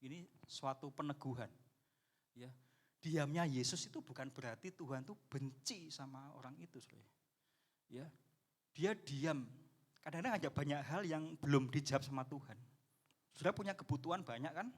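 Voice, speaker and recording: Addressing the congregation as "saudara," a high-pitched pastor delivers a sermon at normal speed with frequent pauses. He has a lilting, animated style and plays out the characters in his story.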